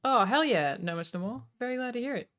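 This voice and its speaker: A woman's voice: fairly high pitch, expressive, quick pace, fairly bright tone. An Australian woman in her thirties hosting a live stream, bantering and swearing casually with her partner. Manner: teasing, profane banter. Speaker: streamer host.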